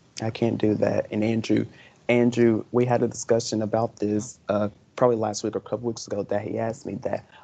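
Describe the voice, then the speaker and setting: Flat and monotone, a man's medium-pitched voice has a dark, mellow tone. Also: fairly quick pace. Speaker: podcast co-host and college student. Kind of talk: casual chat.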